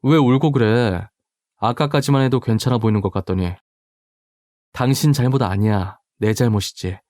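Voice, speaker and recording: A man voicing a gentle middle-aged husband who comforts his wife softly and slowly. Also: mid-range voice, no echo, clean studio sound, lightly acted. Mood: soothing. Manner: soft, soothing, slow.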